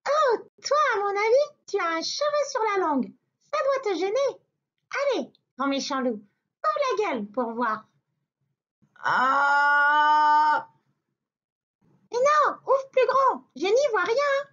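A woman voicing a fussy, bossy little white rabbit who prattles quickly. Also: extremely high pitch, big pitch swings, a bit bright, voice pushed up, full character voice. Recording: dull lo-fi recording.

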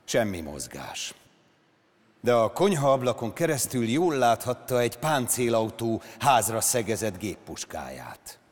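An actor performing a dramatic literary reading on stage, with slow, measured phrasing. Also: male voice, mid-range voice, very animated. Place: large concert hall on stage. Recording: reverberant concert hall.

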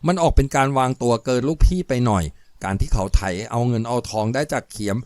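A man narrates a novel aloud in a steady storytelling voice. His pitch sits in the middle range. The recording is close and dry. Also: quick pace, no echo.

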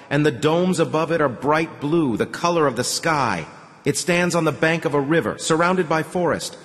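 Casting note: urgent, impassioned young man, read by a male narrator, lively swings in pitch, long hall echo. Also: lightly acted. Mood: hopeful. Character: weary young man pleading to leave the tunnels.

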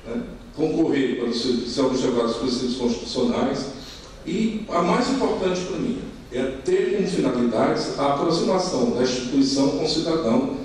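Man, Brazilian accent, middle-aged, medium pitch, formal presentation, repeats words, faint background noise. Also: darkish tone. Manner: halting, repeats words while searching for phrasing. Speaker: conference speaker. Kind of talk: semi-extempore formal presentation. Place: indoor conference hall at a lectern. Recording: echoey hall, distant mic, faint noise.

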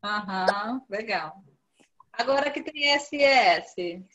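A woman teaching an online class to young children, patiently coaxing them and spelling out syllables slowly. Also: mid-range voice, expressive, bright, forceful tone. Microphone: video call. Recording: dull lo-fi video call audio.

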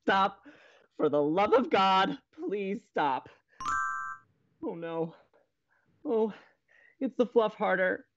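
A fretful young college radio co-host in a romantic comedy podcast. The delivery is exasperated and melodramatic, with very mobile pitch. The sound is slightly dull. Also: very animated, slow, pauses often. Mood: dismayed. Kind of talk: romantic comedy audio drama dialogue.

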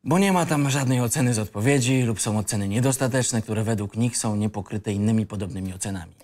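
A man's voice: on the low side, fast talker, darkish tone, close to an everyday voice. An actor playing a cocky, disillusioned young male student in an audio drama script reading, with an insolent, ironic and reflective manner. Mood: wry, detached.

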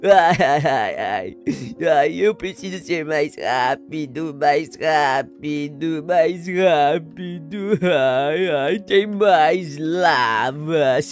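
Man playing Sadness: gloomy, self-pitying, sighing through gameplay in a high, slow voice. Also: faint music behind. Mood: mopey. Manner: drawn-out sighs, mopey slow delivery. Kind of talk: gameplay commentary in character.

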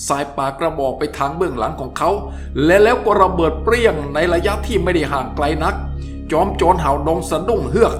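A man reading a thriller novel aloud as a dramatic audiobook narrator. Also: on the high side. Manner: vivid, dramatic reading of action scenes. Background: soft background music.

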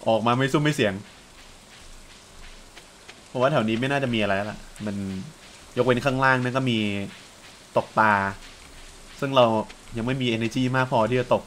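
A young man giving casual, chatty commentary while playing a farming game, often breaking into excited exclamations. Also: medium pitch, moderate pace, pauses often, slight background noise. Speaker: let's play gamer.

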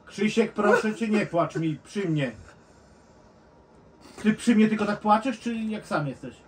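A man's voice: sits high, expressive, measured pace, slight background noise. A man in casual chat, coaxing and insistent, who soothes the other man when he cries.

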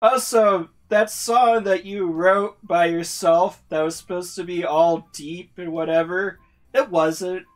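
A YouTuber reading a visual novel aloud with slow, laughing, swearing commentary. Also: mid-range voice, steady tone. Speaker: let's-play YouTuber.

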